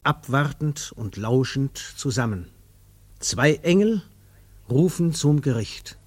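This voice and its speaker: A man's voice: mid-range voice, lively intonation, slow, husky, dry recording. An actor playing a solemn male herald announcing a divine trial in old radio drama style.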